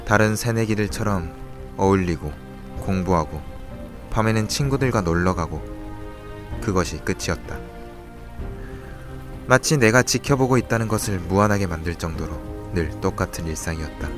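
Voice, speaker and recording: A man playing a brooding, secretive young student in a radio drama, measured and introspective as he talks and narrates over music. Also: low-pitched, close to an everyday voice. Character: brooding, secretive young male student, an observant older classmate. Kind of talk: Korean radio drama dialogue and first-person narration.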